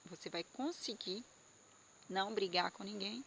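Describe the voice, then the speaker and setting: A woman's voice: mid-range voice, measured pace, creaky, a bit bright, a little hiss or hum. A woman giving an earnest, emotional Christian testimony to viewers, with frequent fillers and repetitions. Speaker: Christian speaker. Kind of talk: personal testimony sermon to viewers.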